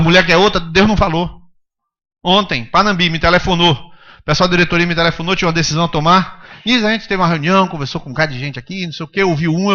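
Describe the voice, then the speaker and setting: A man's voice: high-pitched, bright, forceful tone, highs cut off. A male pastor preaching a sermon, emphatic, pressing the congregation with rhetorical questions.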